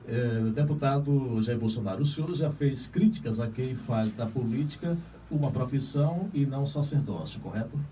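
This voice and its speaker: Brazilian male interviewer, very dark mellow tone, formal measured questioning, slightly off-mic. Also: mid-range voice. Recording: distant mic, faint background noise.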